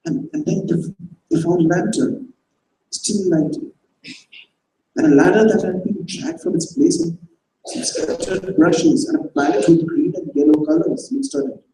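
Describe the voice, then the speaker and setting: A man voicing a gentle young woman who tells sad news softly and tenderly, in a stage reading. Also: on the high side, lively intonation, unhurried, reverberant, background noise. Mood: tender, sorrowful.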